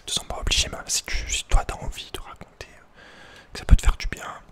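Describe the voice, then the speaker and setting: A man whispering an informal, personal ASMR talk as host, in a hesitant, halting way. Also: fairly bright tone. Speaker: ASMR video creator and host.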